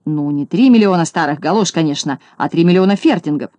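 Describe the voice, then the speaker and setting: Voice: medium pitch, brisk, mellow, no echo, natural voice. Reader playing a mock-polite swindler. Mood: smooth. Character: smooth-talking male swindler, mock-polite. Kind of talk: audiobook narration.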